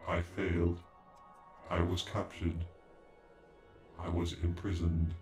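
Deep, glitching ancient android. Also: male voice, flat delivery, takes it slowly, a little mellow. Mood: grave, explanatory. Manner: formal, clipped, stilted robotic phrasing with glitchy stutters. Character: male alien android, ancient, cold, sassy, condescending. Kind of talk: scripted ASMR sci-fi roleplay. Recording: echoing, with music behind.

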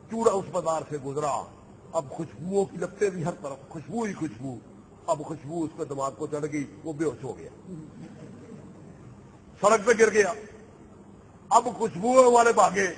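High-voiced mocking preacher. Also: male voice, slight background noise. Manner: mocking, animated storytelling with quoted dialogue. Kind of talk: storytelling sermon.

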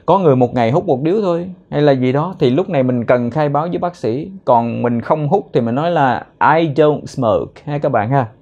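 A young man teaching spoken English in a casual way, explaining phrases and repeating words slowly so learners can copy them. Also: mid-range voice, dark tone, dull audio.

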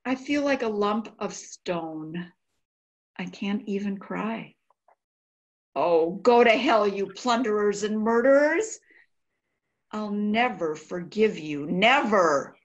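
An older woman gives a dramatic, emotional, halting reading of a diary. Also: medium pitch, animated. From United States. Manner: emotional, halting, sighing delivery. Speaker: volunteer diary reader. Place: indoor room by a window.

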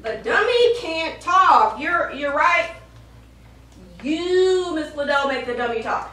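A woman's voice: high voice, lively intonation, slow pace, pushed and bright, exaggerated voice. A woman acting on stage as an exasperated, sarcastic boss figure reasoning with a deluded performer in a comedy play. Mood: baffled, insistent. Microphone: far camera. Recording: very echoey theatre, distant, faint noise.

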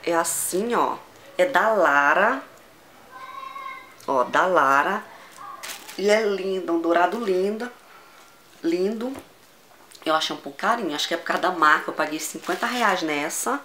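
A woman's voice: on the low side, measured pace, long pauses. Brazilian woman gushing over her shopping haul, repeats herself, noisy clicky recording. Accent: Brazilian Portuguese. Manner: gushing, excitable, repeats words. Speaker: fashion vlogger. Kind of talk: casual haul video.

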